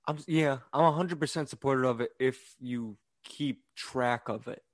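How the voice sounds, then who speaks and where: A man's voice: medium pitch, normal speed, dry recording, studio quality. A young man co-hosting a podcast, chatting casually, agreeable and musing aloud about theories. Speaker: podcast co-host.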